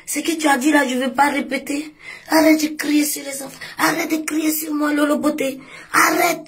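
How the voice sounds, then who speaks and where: A woman giving mocking, scolding commentary in a fast stream of talk. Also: sits high, steady tone, a bit bright. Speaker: online commentator.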